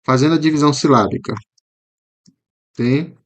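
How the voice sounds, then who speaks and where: A Brazilian man with a Brazilian Portuguese accent, a teacher going through exam questions, often checking in with "né?" and repeating words slowly to show how they sound. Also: a little high, dull audio. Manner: explanatory, frequent "né?" tags, repeats words slowly to model pronunciation. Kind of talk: commented exam walkthrough.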